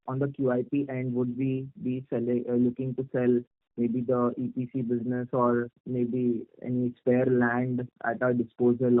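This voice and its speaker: A man with an Indian accent asking formal questions as an analyst on an earnings call, polite, measured and wordy. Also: medium pitch. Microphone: phone call. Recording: muffled narrow phone conference line.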